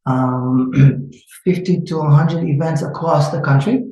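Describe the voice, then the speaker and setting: A man's voice: a little high, steady tone, measured pace, dark tone. Israeli-accented man, echoey room. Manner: hesitant, many filler sounds. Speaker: startup founder. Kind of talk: interview answers.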